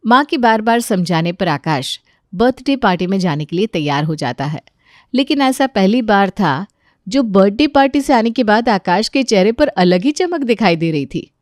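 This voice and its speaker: Woman, storyteller, bedtime story, calm, close dry sound. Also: mid-range voice, normal speed, dry recording. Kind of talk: children's bedtime story narration.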